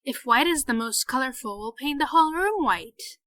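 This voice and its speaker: A practical, sceptical young woman played by a woman with a bright, fairly high voice that swings in pitch. She is the emphatic voice of reason in an audio drama. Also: lively intonation, moderate pace, no room sound. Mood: casual, friendly.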